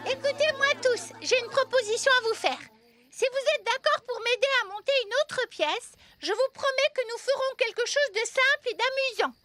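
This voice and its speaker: A woman's voice: extremely high pitch, moderate pace, sharp tone. A woman voicing an anxious, earnest young girl in a French cartoon, with a fretful way of talking. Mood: earnest, hopeful. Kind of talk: French cartoon dub acting.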